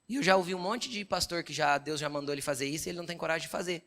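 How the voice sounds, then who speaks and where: A middle-aged Brazilian pastor preaching a sermon, telling personal stories and often checking that listeners follow. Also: male voice, on the high side, rapid-fire, a bit bright. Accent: Brazilian Portuguese. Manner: conversational preaching with frequent "entendeu?" check-ins; storytelling, quoting God and his wife in dialogue.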